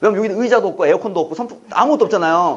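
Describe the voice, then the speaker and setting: His voice is high-pitched for a man. The speaker uses lively intonation. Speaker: author and cafe owner giving a guest lecture. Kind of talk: lecture. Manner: fast; animated.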